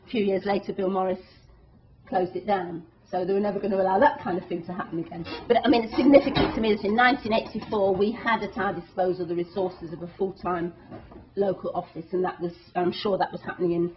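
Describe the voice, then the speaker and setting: A woman's voice: on the low side, steady tone, quick pace, a little hiss or hum. A woman activist giving a public talk to an audience, speaking earnestly and emphatically, with many restarts. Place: meeting hall. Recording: dull lo-fi talk recording.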